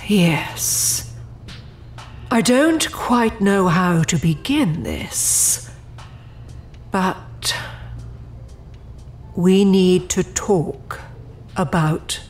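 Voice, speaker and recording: A woman playing a diplomatic noblewoman who presides over an otherworldly board in an audio drama, speaking formally and with measured care. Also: on the low side, animated. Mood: hesitant, grave. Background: music.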